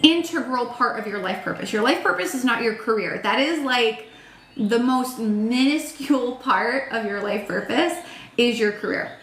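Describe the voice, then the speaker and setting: A woman in her thirties reads tarot casually at a moderate pace, her voice a little high and fairly bright, but tired and beginning to crack. She's frank and chatty, curses, and says "like" and "um" a lot. The sound is roomy.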